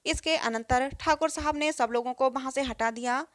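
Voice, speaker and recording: High-voiced woman telling a story. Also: moderate pace, no echo, clean studio sound. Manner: reads every role in one even storytelling voice. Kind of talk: scripted story narration.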